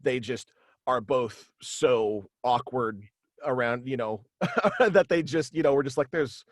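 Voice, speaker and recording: Dry-sounding man, halting chat. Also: mid-range voice, no room sound. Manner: halting and animated, slipping into quoted dialogue. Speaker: guest, voice actor and author. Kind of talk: casual interview chat about own radio play. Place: indoors at home, on a video call. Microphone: video call.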